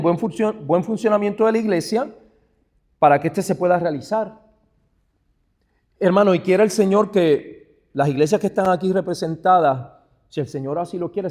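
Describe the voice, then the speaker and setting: Speaking with a Puerto Rican Spanish accent, this high-pitched pastor from Puerto Rico teaches fellow pastors in church. He calls each listener brother, throws out rhetorical questions, and swings from quiet asides to forceful, stressed words.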